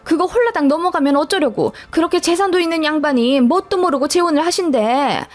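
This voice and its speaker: A woman's voice: high-pitched, brisk, voice pushed up, close to an everyday voice. A woman voicing a nosy, greedy older mother-in-law who insinuates and justifies herself. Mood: self-justifying. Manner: prying, self-justifying, insinuating.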